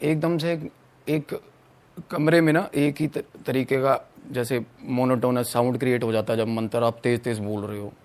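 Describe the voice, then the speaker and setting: A man from Punjab, telling a story as a podcast guest in an animated way, mixing in English phrases. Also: mid-range voice, normal speed. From Punjab, India. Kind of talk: casual storytelling.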